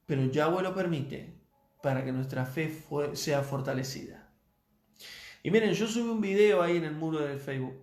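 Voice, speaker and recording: A man preaching a sermon in a measured, emphatic way, repeating key phrases for weight. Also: on the high side, darkish tone, roomy sound.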